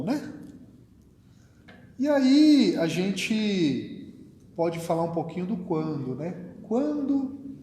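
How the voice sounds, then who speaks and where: A man's voice: high voice, warm tone. A man giving an informal spiritist talk, speaking conversationally and often ending phrases with a questioning tag. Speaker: spiritist study group speaker. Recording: echoey hall with faint noise.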